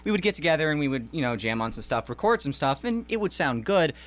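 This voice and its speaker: A nineteen-year-old American man, a bassist, talking in a rambling, laid-back way in a radio studio interview. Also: big pitch swings, fast talker, fairly bright tone, soft background music.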